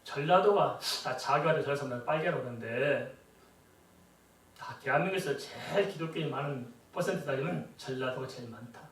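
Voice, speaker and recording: A man's voice: mid-range voice, fairly quick, fairly bright tone. A middle-aged man preaching a sermon as a pastor, talking conversationally and often asking the congregation rhetorical questions. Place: church sanctuary. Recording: echoey church hall, voice from a distance.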